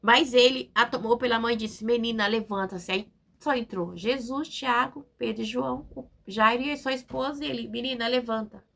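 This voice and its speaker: Bright-voiced woman preaching emphatically. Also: fairly high pitch, normal speed, gravelly. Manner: emphatic, repetitive, with frequent tag questions. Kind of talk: sermon.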